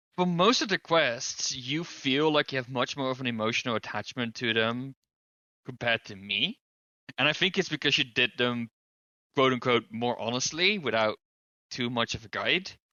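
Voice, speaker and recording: With a Dutch accent, a man speaks at medium pitch and a moderate pace, his pitch varying in an ordinary way. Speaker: podcast co-host. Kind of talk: casual chat.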